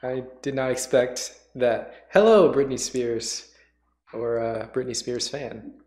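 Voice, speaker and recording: A man's voice: medium pitch, takes it slowly, a little mellow. A man hosting a casual chat, reacting and searching for words, recorded in a roomy space. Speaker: host reacting to a radio play. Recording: roomy, echoing sound.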